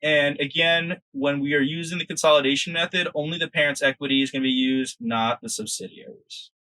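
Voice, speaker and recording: A man's voice: a little high, fairly even intonation, fairly quick, pushed and bright, no room sound, poor audio. A man giving an informal lecture as an exam prep instructor, conversational and often checking in with the listener.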